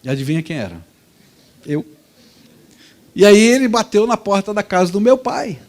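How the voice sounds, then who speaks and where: A man, a pastor preaching a sermon in a lively, conversational storytelling manner. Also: high-pitched, normal speed.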